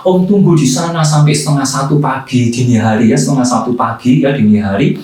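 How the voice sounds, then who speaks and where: A man telling a Sunday school story for kids, animated and acting out voices, often tagging lines with "ya". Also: medium pitch, fairly quick. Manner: animated, acts out voices, repeats "ya". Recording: echoey hall, distant mic.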